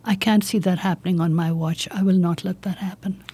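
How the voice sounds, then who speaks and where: A woman in her fifties speaks with a slight South Asian accent and a soft-edged, husky tone. She gives earnest, conversational interview answers in deliberate short phrases, her timbre dark and mellow. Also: fairly low pitch, steady tone. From India and Pakistan. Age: 50s. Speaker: political candidate, interview guest.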